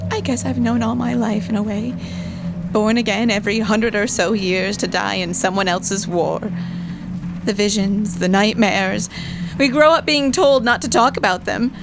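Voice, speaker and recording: A woman's voice: medium pitch, fairly even intonation, moderate pace, vocal fry, over music, natural voice. An actress playing a grieving, weary mother in an audio drama, earnest and anguished. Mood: resigned.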